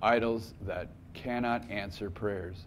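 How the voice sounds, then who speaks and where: A man's ordinary pitch variation and very slow pace come through light background noise. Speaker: preacher. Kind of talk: sermon. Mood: earnest, emphatic. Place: church.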